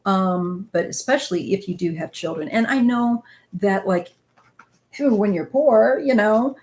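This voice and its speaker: A woman's voice: mid-range voice, unhurried, darkish tone. A woman in her fifties from northwest Missouri, hosting a rambling, casual live-stream chat with viewers. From northwest Missouri, USA. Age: 50s. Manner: rambling, chatty, talks to viewers as "you guys". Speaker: tarot channel host reading live chat.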